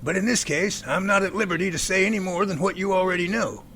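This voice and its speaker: A man's voice: high-pitched, quick pace, a bit bright, a little hiss or hum. A man playing a genial middle-aged professor in an amateur audio drama, with courteous, folksy phrasing. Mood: friendly. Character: genial middle-aged professor running a Bigfoot research center.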